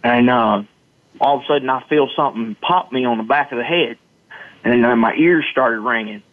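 A man with a Southern US accent tells his own story over a thin, phone-like connection. His pitch sits in the ordinary male range and the sound is dry. He comes across as folksy and earnest, speaking as a guest in an interview. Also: normal speed, no room sound. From Arkansas, United States. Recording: muffled phone-like line, dry.

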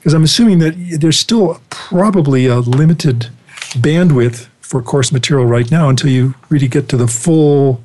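A man's voice: a little high, normal speed, darkish tone, a little hiss or hum. A man hosting an interview, asking long, rambling questions that often correct themselves partway through. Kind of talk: conversational interview.

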